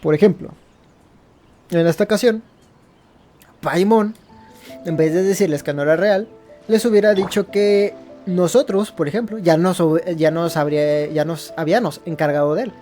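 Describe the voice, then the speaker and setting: Guy commenting on a game, highish voice, rambly, rewording himself, bit of music behind. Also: a little fast, warm tone. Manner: rambling, searches for words and rephrases. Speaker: gaming video host.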